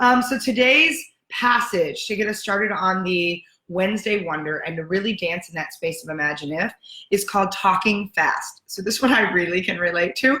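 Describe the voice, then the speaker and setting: A woman speaks in an animated tone at a fairly quick pace. Her pitch swings very widely. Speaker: life coach hosting live show. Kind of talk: live stream chat with viewers. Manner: fast.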